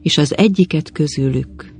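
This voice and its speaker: A narrator with a husky voice reading a literary story in a solemn, measured way. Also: medium pitch. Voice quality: gravelly, husky.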